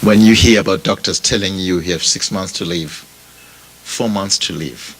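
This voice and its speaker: Slow-paced Zimbabwean preacher, a man. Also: low-pitched, fairly bright tone, a little hiss or hum, rough recording. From Bulawayo, Zimbabwe. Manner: deliberate, repeats phrases for emphasis, addresses listeners directly. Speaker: pastor. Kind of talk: sermon. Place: funeral service before a congregation.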